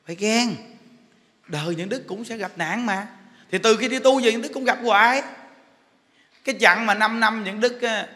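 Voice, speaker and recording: A man's voice: sits high, sharp tone. A middle-aged man with a Southern Vietnamese accent giving a humorous sermon as a monk, joking and teasing like a chatty storyteller. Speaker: monk giving a dharma talk. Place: temple hall. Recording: long hall reverb.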